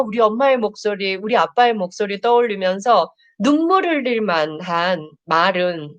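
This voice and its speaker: A woman counselor gives a live-streamed lecture, asking her audience questions and reading their chat comments aloud with lively expression. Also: medium pitch, dry recording.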